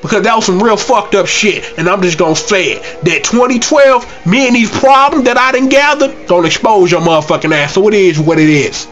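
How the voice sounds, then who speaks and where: A man's voice: high-pitched, a little fast, hardly any pauses, a bit bright, muffled recording, faint music behind. Brash congested male gaming vlogger. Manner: brash, trash-talking, slangy. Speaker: gaming channel host. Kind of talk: casual gaming vlog outro.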